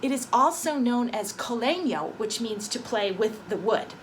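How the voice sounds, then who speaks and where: A woman violin teacher explaining techniques gently and clearly, and telling a short spooky story with growing emphasis, with violin playing between her phrases. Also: fairly high pitch, lively intonation, unhurried, slight background noise, low-quality recording. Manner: storytelling with rising dramatic emphasis. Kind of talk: violin lesson with a told story. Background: violin sound effects between phrases.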